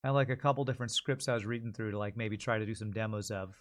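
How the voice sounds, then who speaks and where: A man chatting casually as a livestream host, rambling and thinking out loud as he goes. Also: fairly low pitch, steady tone, very fast.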